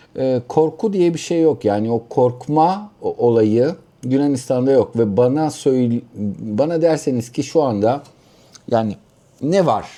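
Here a man speaks at a fairly slow pace. His pitch is medium and his intonation lively. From Turkey. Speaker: real estate consultant. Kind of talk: vlog monologue. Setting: hotel room. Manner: halting, many filler sounds.

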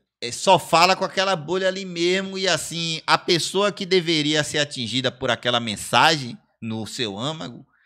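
Animated and with lively intonation, a man with a bright, sharp tone and fairly high pitch talks at a moderate pace with hardly any pauses against a quiet background. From Bahia, Brazil. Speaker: comedian. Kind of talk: casual chat. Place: studio. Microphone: studio mic.

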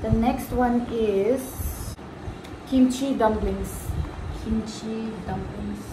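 Over noticeable background noise, a woman talks at a very slow pace in a monotone, flat intonation. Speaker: food vlogger. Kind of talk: casual vlog chat. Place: home room. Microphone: camera far.

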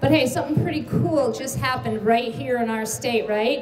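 Over light background noise and audible room echo, a woman talks at a fairly quick pace in a high pitch. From Maine. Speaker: rally organizer and emcee. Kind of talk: rally speech. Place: street.

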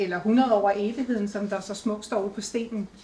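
Audible room echo surrounds a woman's voice. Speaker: museum director. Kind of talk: speech. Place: hall. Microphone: lapel.

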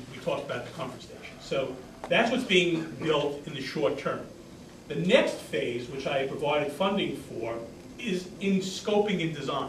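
In a room with audible echo and light background noise, a man talks at a moderate pace. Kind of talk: public meeting address. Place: meeting room. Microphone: camera far.

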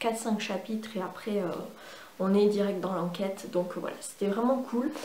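A woman speaks at a moderate pace with ordinary pitch variation, with light background noise and audible room echo. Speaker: book reviewer. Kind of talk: casual vlog chat. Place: home room. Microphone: camera far.

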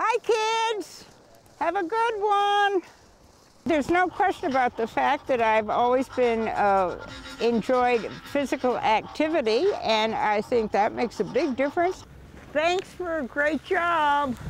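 Over music in the background, a woman talks at a fairly slow pace, her high pitch swinging very widely. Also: dry sound with no echo. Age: 80s+. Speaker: ski instructor. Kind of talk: interview answer. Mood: warm, cheerful, grateful.

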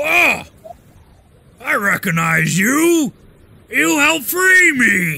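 A man's put-on character voice, extremely high in pitch, at a very slow pace with long, frequent pauses. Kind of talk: in-character role-play dialogue. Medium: actual play. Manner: casual, good-natured. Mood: recognizing, grateful.

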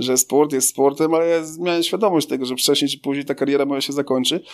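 Here a man talks at a very fast pace. His voice is fairly high-pitched with fairly even intonation. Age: 30s. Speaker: olympic weightlifter. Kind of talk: interview.

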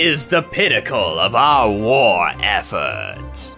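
Over clear music in the background, a man uses a put-on character voice, raised and projected, at a very slow pace. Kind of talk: audio drama dialogue.

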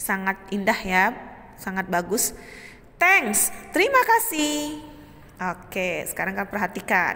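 A woman's medium-pitched voice with lively intonation, a fairly slow pace, long, frequent pauses and noticeable background noise. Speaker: primary school English teacher. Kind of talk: tutorial.

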